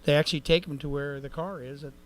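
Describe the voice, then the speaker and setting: A man's voice: a little high, steady tone, fast. A man giving a rambling, folksy report at a city council meeting, with many fillers and restarts. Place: council chamber.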